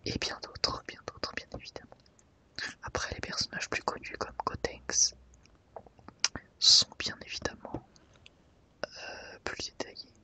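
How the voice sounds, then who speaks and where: The narrator of this ASMR video whispers, browsing softly and without hurry through a book.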